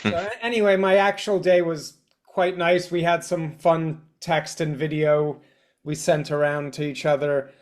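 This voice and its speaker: Guy in his 40s, kinda high voice, stumbles and restarts a lot, self-deprecating comic on a podcast. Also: fairly even intonation. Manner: halting, repeats words, self-deprecating humor. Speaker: comedian guest. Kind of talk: casual podcast chat.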